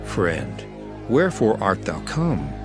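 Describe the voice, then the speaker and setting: Male actor as commanding holy teacher, solemn, declamatory, very expressive intonation, scripture drama, soft music behind. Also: low-pitched, slow pace, exaggerated voice. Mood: solemn, sorrowful. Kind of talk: dramatized King James scripture.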